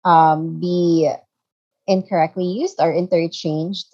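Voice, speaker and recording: A woman's voice: fairly low pitch, steady tone, slow pace, darkish tone, lo-fi sound. A woman teaching an online English grammar lesson, patient, often checking in with "okay" and "so there.". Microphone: video call.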